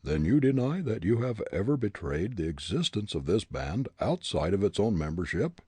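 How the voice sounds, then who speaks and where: A man's voice: lowish voice, big pitch swings, moderate pace, darkish tone, slightly rough, no room sound, heavily acted. A man voicing a stern, blustering male smuggler captain who makes demands and accusations. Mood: accusing.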